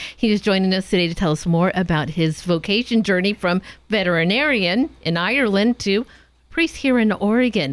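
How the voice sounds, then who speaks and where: An ordinary speaking voice talks at a fairly quick pace with lively intonation. The loudness stays very even. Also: woman, medium pitch for a woman. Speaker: radio host. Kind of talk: radio interview.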